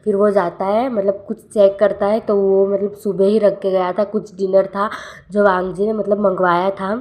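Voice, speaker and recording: A woman's voice: medium pitch, level tone, normal speed, a little mellow. A young woman casually retelling a fan fiction story aloud, rambling and often correcting herself.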